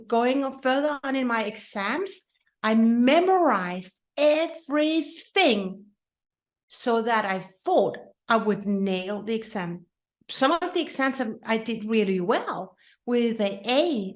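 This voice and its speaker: A woman's voice: a little high, animated, takes it slowly. A woman from Denmark with a Danish accent, whose first language is Danish, hosting her own podcast in an earnest, personal way with many restarts. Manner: earnest, with frequent restarts and repetitions. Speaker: podcast host. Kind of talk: casual solo podcast talk.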